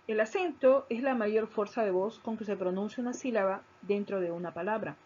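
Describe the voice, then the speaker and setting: A woman teacher giving a recorded grammar lesson, explaining slowly, stressing key syllables and repeating her points. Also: medium pitch, a little mellow. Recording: dull lo-fi recording.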